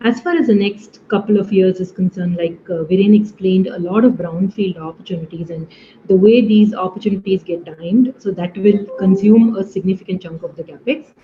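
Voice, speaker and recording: A woman's voice: medium pitch, moderate pace. A woman with an Indian accent speaking as a finance executive, answering questions on an earnings call. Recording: dull call line, faint noise.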